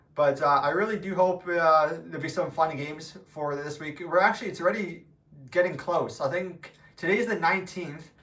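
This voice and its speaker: Over noticeable background noise, a man with a high pitch speaks fairly quickly with fairly even intonation and big swings in loudness. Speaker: gaming YouTuber. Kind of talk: gameplay commentary. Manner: halting, stuttering; casual, filler-heavy.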